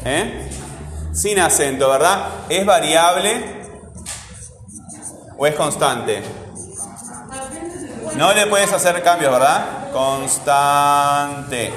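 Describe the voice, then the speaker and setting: A man's voice: on the high side, expressive, slow, pauses often, music in the background. A man teaching a grammar lesson, asking his students questions and often answering them himself. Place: classroom. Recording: echoey room with long reverb, faint ambience.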